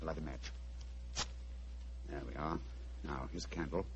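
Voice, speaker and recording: A man playing Sherlock Holmes as a calm, probing detective, with courteous, insistent speech, in 1940s radio drama style heard on an old broadcast recording. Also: very deep voice, moderate pace, a little hiss or hum. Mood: hushed, methodical. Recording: dull lo-fi vintage radio broadcast.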